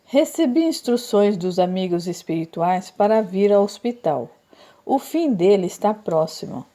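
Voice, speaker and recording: A woman voicing a gentle, calm spiritual woman in an audiobook, speaking quietly and reassuringly. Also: mid-range voice, a little slow, close to an everyday voice.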